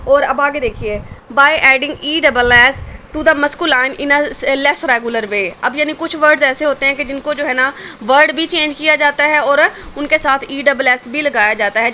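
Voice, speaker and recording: A woman teaching a grammar lesson, explaining in Hindi-Urdu and reading rules and word lists aloud slowly. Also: high voice, fairly even intonation, pushed and bright, slight background noise, poor audio. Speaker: English teacher.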